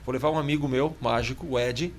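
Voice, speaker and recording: A man's voice: medium pitch, fairly even intonation, fast, noisy background. A man with a Brazilian Portuguese accent, a podcast host telling anecdotes in slangy casual chat.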